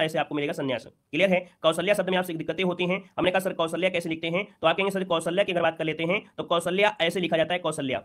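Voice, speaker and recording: A man's voice: on the high side, a bit bright. A man teaching an exam-prep lesson, who repeats each point and keeps checking with rhetorical questions.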